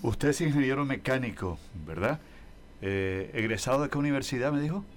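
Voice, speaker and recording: A man's voice: medium pitch, lively intonation, fairly quick, slight background noise. An older man, asking questions as a casual interviewer.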